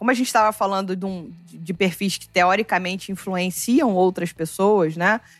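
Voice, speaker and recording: A woman speaks in a plain, everyday voice at a moderate pace with ordinary pitch variation, on a very clean recording with a silent background and a dry, close sound with no echo. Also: hardly any pauses. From Duque de Caxias, Rio de Janeiro, Brazil. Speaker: beer podcaster. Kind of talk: casual chat.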